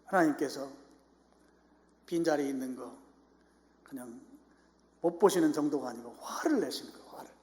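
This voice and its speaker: A Korean man preaching a sermon as pastor, moving from calm explanation to loud, impassioned urging of his congregation. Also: mid-range voice, normal speed, long pauses. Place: church sanctuary. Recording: echoey church hall.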